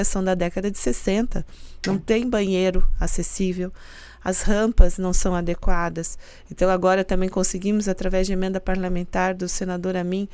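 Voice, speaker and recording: A middle-aged woman speaks in an earnest, explanatory way as a university rector being interviewed. Her voice sits at an ordinary pitch for a woman. The recording is close and dry, with no room echo. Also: clean tone. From Santa Catarina, Brazil. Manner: earnest and explanatory, with soft laughs. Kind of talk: casual interview talk.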